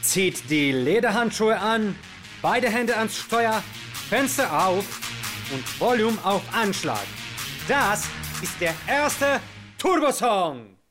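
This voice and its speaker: A showy, coaxing radio host. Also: male voice, high voice, very animated, slow pace, music in the background, heavily acted. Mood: wistful, rousing. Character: excitable, charming Yugoslav radio show host, a man. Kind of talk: theatrical radio show moderation.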